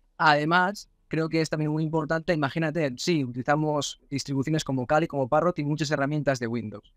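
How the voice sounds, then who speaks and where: A man with a plain, everyday voice speaks at a fairly high pitch and a fairly quick pace, with hardly any pauses and fairly even intonation. The sound is dry with no echo, over a quiet background. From Valencia, Spain; Spain. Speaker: cybersecurity engineer and content creator; content creator. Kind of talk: interview.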